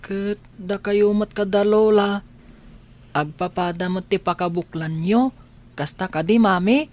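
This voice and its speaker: A woman playing a gentle blind young man. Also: mid-range voice, unhurried, natural voice. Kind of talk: radio drama acting.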